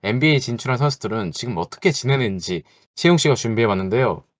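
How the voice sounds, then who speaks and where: Mid-pitched man hosting basketball chat. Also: expressive, fast, no room sound, clean studio sound. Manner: reads segment intros, a bit nervous, tongue-tied over names. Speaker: podcast host.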